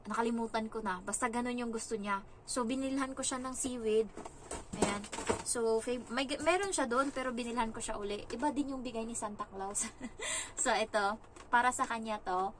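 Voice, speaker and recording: A young woman from the Philippines, working as a household caregiver, tells stories in a casual vlog and acts out what people said in a raised, lively voice. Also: fairly high pitch, moderate pace, background noise. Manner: animated, acts out quoted lines in a raised voice.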